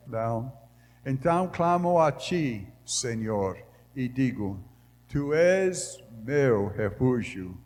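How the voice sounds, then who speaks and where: A man preaching in Portuguese with a Brazilian Northeastern accent, a missionary whose first language is English, delivering a measured sermon in a church. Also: medium pitch. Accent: Brazilian Northeastern Portuguese, as a foreign speaker. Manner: slow, measured preaching that grows louder when reading scripture. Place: large church hall. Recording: reverberant church hall.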